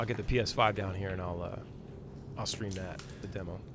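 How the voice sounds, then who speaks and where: Male voice, moderate tempo, audible background noise throughout. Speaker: gamer livestreamer. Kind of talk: casual livestream chat while gaming. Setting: livestream from home. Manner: casual, chatty, filler words.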